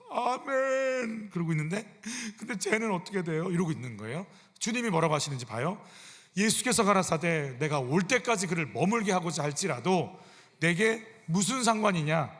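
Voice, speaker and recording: The voice here is high-sitting and fairly bright: a senior pastor delivering a conversational sermon in a church sanctuary. He often asks the congregation rhetorical questions, and a long church hall reverb lingers after each phrase.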